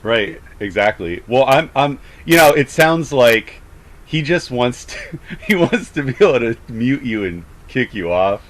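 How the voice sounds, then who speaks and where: A man's voice: medium pitch, big pitch swings, a little slow. A man chatting casually, rambling with frequent stammers and false starts. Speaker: host of a call debrief. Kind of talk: casual chat.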